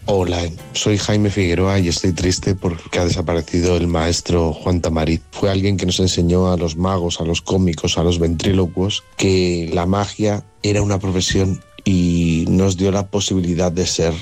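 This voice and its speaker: A man delivering a recorded tribute message in a solemn, measured way. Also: low voice, little pitch movement, darkish tone, soft background music. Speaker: performer sending a recorded tribute.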